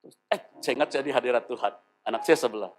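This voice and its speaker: A man's voice: medium pitch, very fast. A pastor in his fifties preaching a sermon, telling stories and acting out the voices in them. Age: 50s. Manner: animated storytelling, acting out dialogue.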